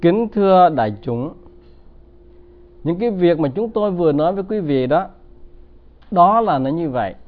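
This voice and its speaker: A man's voice: sits high, lively intonation, normal speed, long pauses. A man giving a Buddhist dharma talk, telling stories and often asking the audience to agree. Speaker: Buddhist teacher. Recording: tinny phone-like sound.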